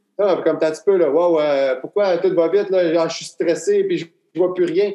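This man talks at a moderate pace in a high voice. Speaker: kinesiologist and speaker. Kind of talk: interview conversation; guided breathing exercise. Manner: animated.

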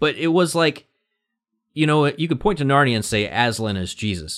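With a plain, everyday voice, a man talks at a fairly quick pace and with lively intonation on a very clean recording with a silent background. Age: 40s. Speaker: podcast host. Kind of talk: casual interview chat.

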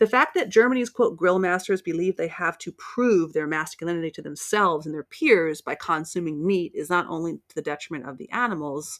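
A woman with an American accent uses a normal speaking voice at a fairly low pitch, moving at a fairly quick pace with hardly any pauses and ordinary pitch variation. Her loudness swings widely, the sound is dry and close with no echo, and the background is quiet. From United States. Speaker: radio host. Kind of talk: solo monologue broadcast.

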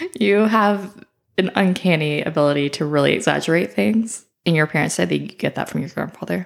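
Very wide pitch swings at a fairly quick pace, with an American accent. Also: woman, very deep, low pitch for a woman. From South Alabama. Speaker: podcast host. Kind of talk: casual chat, drinking banter. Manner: animated, bantering.

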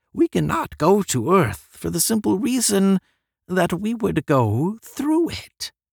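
A man's put-on character voice, high-pitched and fairly slow, on a very clean recording with a silent background. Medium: read story. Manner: slow, grave, measured.

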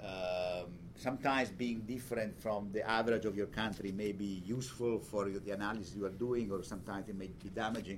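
The speech moves at a fairly quick pace with fairly even intonation and hardly any pauses. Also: man, fairly low pitch for a man. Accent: Italian. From Italy. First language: Italian. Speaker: economics professor. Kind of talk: academic seminar talk with Q&A. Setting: seminar room with audience.

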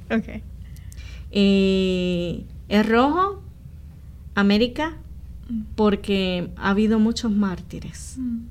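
Audible room echo surrounds a woman who speaks at a very slow pace with long, frequent pauses. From Puerto Rico. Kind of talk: interview conversation.

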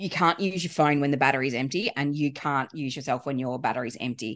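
A woman with an Australian accent, very deep and low in pitch, fairly quick, with ordinary pitch variation over a quiet background. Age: 30s. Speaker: time management coach. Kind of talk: podcast interview.

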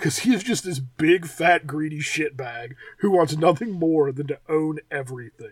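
A fairly high-pitched man with an American accent, at a fairly slow pace. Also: ordinary pitch variation. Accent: Southern, comes out slightly when drinking. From US South, Georgia. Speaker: podcast host. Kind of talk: casual chat about tabletop gaming lore.

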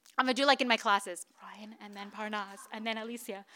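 A woman's fairly high voice with a Californian accent, bright and sharp in tone, monotone and flat in intonation. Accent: Californian American. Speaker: novelist. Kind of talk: author reading and Q&A. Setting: bookstore stage with audience.

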